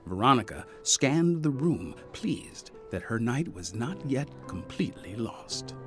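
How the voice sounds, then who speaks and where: A man narrating a scripted audio mystery drama as a polished, deliberate storyteller. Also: medium pitch, very animated, a bit bright, soft background music. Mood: storytelling.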